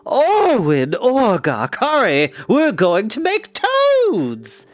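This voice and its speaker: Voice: mid-range voice, sing-song, slow pace, pitched above the performer's own voice. A chirpy, scatterbrained enchantress, as a reader puts her on. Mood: excited. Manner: chirpy, indulgent, sing-song. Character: cheerful, scatterbrained, plump female enchantress. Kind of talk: audiobook reading.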